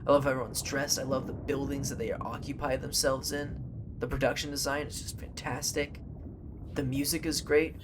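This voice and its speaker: A man's voice: medium pitch, flat delivery, moderate pace, noisy background. Rambling, playful male podcast host. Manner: playful, rambling, many fillers. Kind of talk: casual movie chat.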